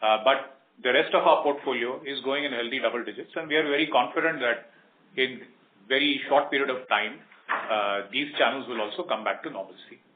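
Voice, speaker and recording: A man with an Indian accent, a company executive giving measured, explanatory answers on an earnings call. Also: a little hiss or hum. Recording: roomy, muffled low-bandwidth conference line.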